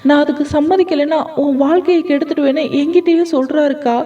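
A woman storyteller voicing a frightened young woman who pleads in tears, in a high, shrill voice. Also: steady tone, fairly quick, dark tone, natural voice. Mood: tearful pleading. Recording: dull distant lo-fi recording.

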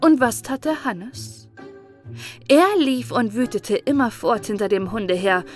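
Woman doing kids fairy tale audiobook, highish voice, expressive, faint music behind. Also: a little slow. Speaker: audiobook narrator.

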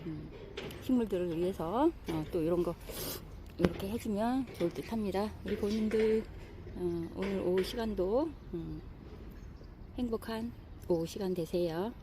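A middle-aged woman chatting casually as she walks through her outdoor flower garden, admiring the plants with many soft fillers. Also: mid-range voice, normal speed, background noise. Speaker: gardening vlogger.

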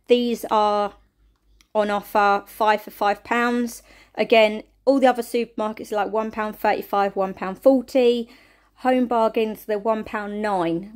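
Chatty mum showing a food haul. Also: female voice, mid-range voice. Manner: chatty, rambling, counts items aloud. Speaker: family vlogger. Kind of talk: casual food haul show-and-tell. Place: home kitchen, indoors.

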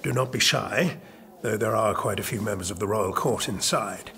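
An actor playing a pompous, smooth-talking chamberlain of a royal court in an audio drama. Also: male voice, lowish voice, moderate pace, sharp tone, exaggerated voice. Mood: courtly, formal.

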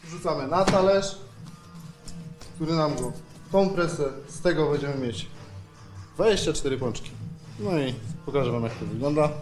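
Male baker, thirties, slightly high voice, plain informal explainer, faint music underneath. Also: normal speed, long pauses. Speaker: pastry baker. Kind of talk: informal step-by-step process explanation. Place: tiled bakery production hall. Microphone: handheld microphone held by interviewer.

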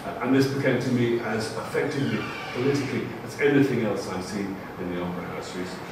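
A man giving a measured, formally phrased panel talk in a lecture room before an audience. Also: lowish voice, steady tone. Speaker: panel speaker. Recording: echoey room, far mic, audible noise.

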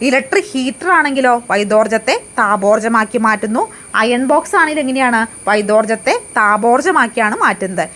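A woman leads an exam prep lesson in a fairly high voice. She poses each question and answers it herself, repeating the key facts. Her delivery has frequent hesitations and restarts. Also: expressive, fast, fairly bright tone. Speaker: exam coaching teacher.

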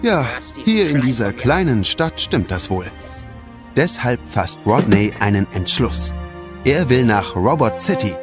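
Male narrator, children's audio story, very lively intonation, clear music bed. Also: medium pitch, measured pace.

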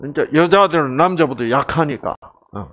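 A middle-aged man giving a lively seminar lecture with jokes. He keeps asking the audience questions and acts out voices and cries. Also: fairly high pitch, normal speed, dull audio. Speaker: health lecturer.

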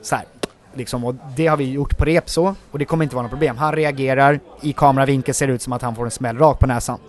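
Man, actor guest, casual interview, rambling, animated storytelling, lots of filler words. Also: mid-range voice.

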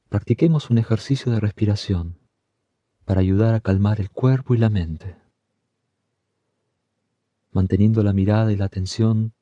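A man leading a guided meditation, giving calm, soothing, unhurried instructions. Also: fairly low pitch, dry recording, lo-fi sound.

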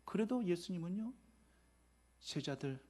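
Male pastor, somewhat high voice, preaching; lively, acts out scenes and asks the congregation questions. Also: measured pace. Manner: lively, dramatizing scenes with acted-out quotes and asides to the congregation. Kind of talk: sermon.

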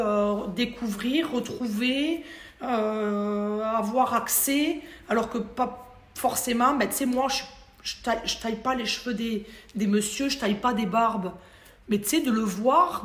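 Chatty French hairdresser in an echoey room. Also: female voice, fairly high pitch. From France. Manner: chatty, animated, quick to laugh. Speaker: hairdresser, interview guest. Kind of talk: casual interview conversation.

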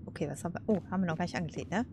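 A woman's voice: fairly low pitch, very fast, warm tone, slight background noise. A woman casually commenting over a game, chatty, laughing and cursing at setbacks. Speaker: let's play host.

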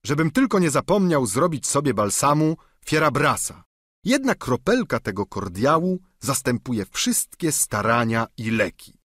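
A man reads an audiobook, voicing an aging, deluded knight in an exaggerated, sing-song voice pitched above his own, pompous, declamatory and boastful. The medium-pitched delivery is a little slow, bright and breathy, in clean studio sound with no room sound.

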